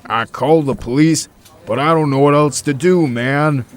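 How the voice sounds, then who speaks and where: A man's voice: fairly high pitch, normal speed, slight background noise, natural voice. A man playing a nervous, hesitant friend of a doctor in an audio drama, speaking informally. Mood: anxious.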